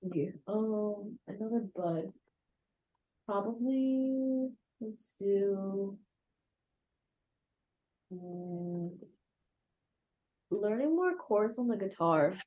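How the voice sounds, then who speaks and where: A young woman speaking from her bedroom in a casual chat, hesitant and rambling, trailing off into fillers and giggles. Her pitch sits in the middle range for a woman. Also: very slow, pauses often, narrow, tinny audio. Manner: rambling, hesitant, lots of fillers and restarts, laughs often. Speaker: podcast guest.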